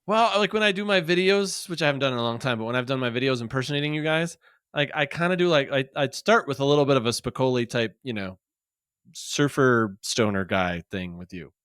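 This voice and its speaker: A man's voice: medium pitch, brisk, fairly bright tone, clear, resonant tone, dry recording, studio quality. A man co-hosting a comedy podcast, trading teasing quips with his friends. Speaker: podcast co-host. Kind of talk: casual comedic podcast banter.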